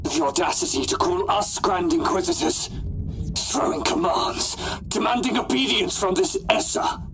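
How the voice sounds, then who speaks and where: A man voicing an ambitious, brooding Sith Inquisitor in a pompous, deliberate, theatrical monologue for a scripted audio log. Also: high-pitched, big pitch swings, music in the background. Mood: indignant. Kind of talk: scripted in-character log narration.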